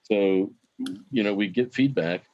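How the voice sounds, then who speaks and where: A man speaking haltingly and unscripted in an interview as a radio station manager. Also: on the low side, a little mellow. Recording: dull, roomy interview sound.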